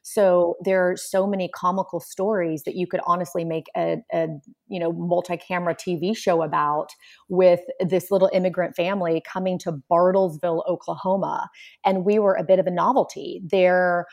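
A Polish-born woman telling stories in a relaxed interview, acting out quoted voices. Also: lowish voice, gravelly. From Poland. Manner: animated storyteller, acts out quotes. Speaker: guest. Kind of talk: casual interview conversation.

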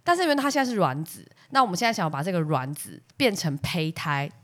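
A woman's voice: lowish voice, fast. A woman co-hosting a casual chat podcast with a Taiwanese Mandarin accent, telling a story and acting out the people in it, with English words dropped in. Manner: animated, acts out the other people in her stories. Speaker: podcast co-host.

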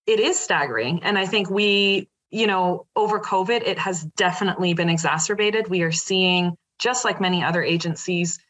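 A woman in her thirties from the Netherlands, a guest speaking in a relaxed interview, thoughtful and halting with many fillers and restarts. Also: lowish voice. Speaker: guest from a women's center. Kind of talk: casual interview talk.

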